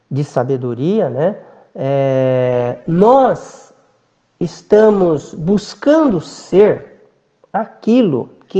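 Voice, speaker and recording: A man giving a spiritist lecture, speaking slowly and reflectively, with frequent hesitant fillers between phrases. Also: on the high side, warm tone, muffled recording.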